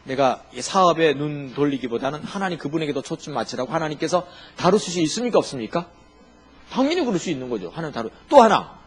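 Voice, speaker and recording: A man's voice: on the high side, fast, few pauses, slight background noise. A man preaching a sermon as pastor, often asking the congregation questions and laughing at his own jokes. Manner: lively, emphatic preaching with sudden loud and quiet turns.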